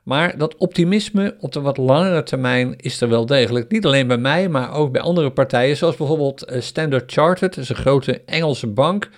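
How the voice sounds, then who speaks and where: A man's voice: medium pitch, moderate pace, hardly any pauses. Chatty man hosting a podcast. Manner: chatty, hesitant with frequent fillers. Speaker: podcast host. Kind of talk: casual solo crypto podcast commentary.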